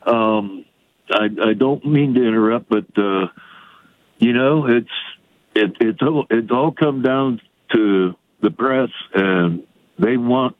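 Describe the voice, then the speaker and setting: A man in his fifties calling in to a radio show, talking haltingly with many fillers. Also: fairly low pitch, no echo. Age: 50s. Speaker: caller. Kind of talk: call-in phone conversation. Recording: thin phone-line audio.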